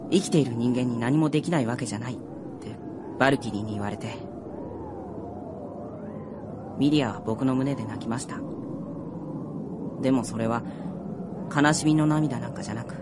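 An actor playing a gentle young fallen soldier in a radio drama, speaking politely and earnestly. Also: male voice, mid-range voice, noisy background, lightly acted. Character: gentle, earnest dead young male soldier, now a spirit. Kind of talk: Japanese radio drama acting. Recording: music behind the voice.

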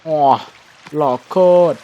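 Excitable man commentating a game. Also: slow, slight background noise. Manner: chatty, bursts into loud exclamations and swearing. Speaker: game streamer. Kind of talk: casual gameplay commentary.

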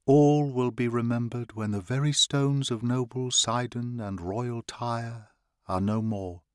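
A man's voice: medium pitch, steady tone, measured pace, clean tone, dry recording, clean studio sound, natural voice. A man doing a grave, subdued warrior chief. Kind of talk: audiobook reading.

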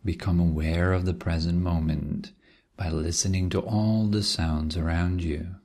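Very deep, gravelly man guiding meditation. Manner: calm, gentle, unhurried instruction with long pauses. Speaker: meditation teacher. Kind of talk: guided meditation. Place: quiet room.

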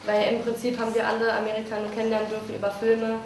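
A woman's voice: on the high side, monotone, very fast, a little mellow, slight background noise. A woman aged twenty-one, a trainee, introducing herself casually at a press event. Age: 20s. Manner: casual, reflective. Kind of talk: self-introduction. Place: large hall. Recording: echoey hall from far off.

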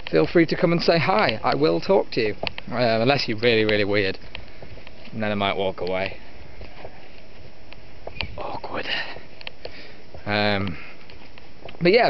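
Rambling young British man outdoors, noisy muffled audio. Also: medium pitch. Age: 20s. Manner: self-deprecating, blithering. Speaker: vlogger, retro gaming YouTuber. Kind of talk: rambling casual walking vlog. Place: outdoors, walking along a field edge by trees. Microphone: camera on a stick at arm's length. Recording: dull muffled camera audio with outdoor wind noise.

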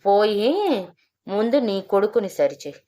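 A woman voicing an angry young man back from America, shouting and scolding in a storybook reading. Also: medium pitch, animated, a little slow, pitched above the performer's own voice, lightly acted.

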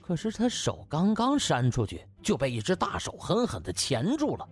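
A man narrating a comic audiobook in a theatrical, colloquial storyteller's manner with a husky voice. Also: fairly high pitch, wildly swooping pitch, moderate pace, faint music behind.

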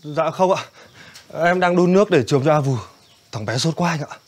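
A man's voice: fairly high pitch, fairly quick, lightly acted. An actor playing a polite, deferential young man in a television drama.

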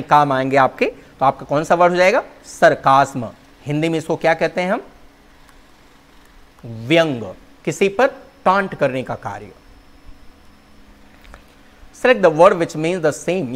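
A male teacher explaining English vocabulary and spelling in Hindi, calling his students "children" and spelling words out letter by letter. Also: on the high side.

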